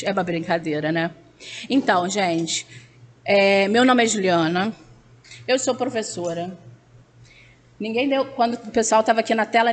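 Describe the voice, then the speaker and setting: Thirties woman, teacher giving a chatty public testimony, bright higher register. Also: big-room sound. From Brazil. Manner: chatty, joking, loud-voiced. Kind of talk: public talk at a spiritist center. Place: meeting hall.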